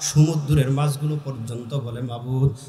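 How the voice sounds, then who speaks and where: A man with a Bangladeshi accent preaching a fervent Islamic sermon, declaiming in a drawn-out sing-song way and urging his listeners on. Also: medium pitch, steady tone, mellow, echoey room. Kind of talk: fervent Bengali waz sermon with chanted verse and recitation.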